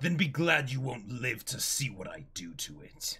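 At a moderate pace, a man performs a put-on character voice at a medium pitch. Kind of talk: comic dramatic reading. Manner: gloating, mocking, blustering.

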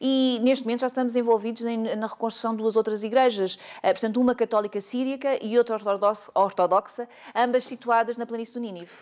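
A woman's fairly high voice at a fairly quick pace, monotone and flat in intonation, over a quiet background. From Portugal. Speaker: TV co-presenter, charity representative; TV presenter. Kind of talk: casual chat. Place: studio.

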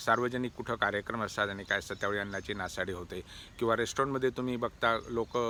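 In a very clean recording with a silent background, a man with a medium pitch and a bright, sharp tone speaks with fairly even intonation. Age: 60s. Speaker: local history storyteller. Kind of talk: personal recollection monologue. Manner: halting.

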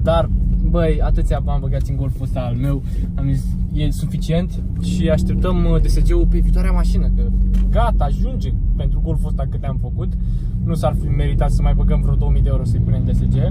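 Fairly quick talking from a man amid loud background noise. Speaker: car vlogger. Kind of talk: casual vlog chat. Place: car. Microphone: phone near.

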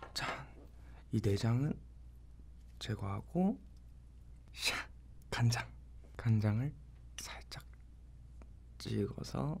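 Very slow, fairly low-pitched male speech with vocal fry, very wide pitch swings, long and frequent pauses, and light background noise. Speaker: food vlogger. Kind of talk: casual mukbang commentary. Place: home room.

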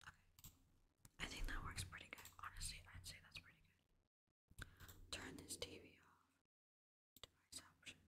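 A woman whispers at a moderate pace with big swings in loudness. Her pauses are long and frequent. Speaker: ASMR gaming streamer. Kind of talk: ASMR gaming commentary. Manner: soft-spoken, casual. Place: home room. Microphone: studio mic.

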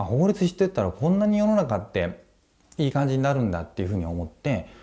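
Pitch swings very widely in a dark, mellow, somewhat breathy voice. Delivery is fairly quick over a quiet background. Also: man. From Japan, Hyogo (Asago); Hyogo, Japan. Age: 40s. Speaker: labor consultant and business owner. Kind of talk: career advice talk to students. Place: office. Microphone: lapel.

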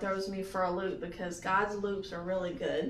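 Light background noise and audible room echo surround a woman as she speaks. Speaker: church leader leading communion; speaker. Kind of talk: sermon and prayer. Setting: church with online viewers. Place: church.

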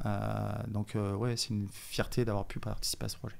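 A man is speaking. His pace is moderate. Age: 30s. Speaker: business owner, locksmith and joinery company; radio guest. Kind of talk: radio interview. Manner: hesitant, many fillers. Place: studio. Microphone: studio mic.

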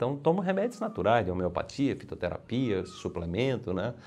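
Talking at a fairly quick pace, a man's voice moves through very wide pitch swings. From Brazil, Pernambuco sertão (Serra Talhada); Pernambuco, Brazil. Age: 50s. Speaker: alternative health video creator; health channel host. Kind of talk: monologue to camera. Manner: hesitant, many fillers. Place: studio. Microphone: lapel.

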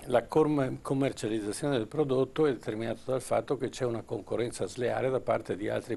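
A man speaks at a moderate pace with vocal fry, ordinary pitch variation, and a dark, mellow tone. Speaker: local political guest. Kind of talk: televised political debate. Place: studio. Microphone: lapel.

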